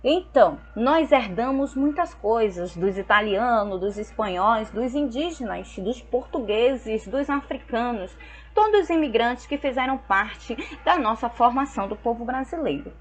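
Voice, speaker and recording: A young woman from Brazil, teaching a school lesson and explaining slowly and patiently, often checking in with her students. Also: on the high side, expressive, low-quality recording. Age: young adult.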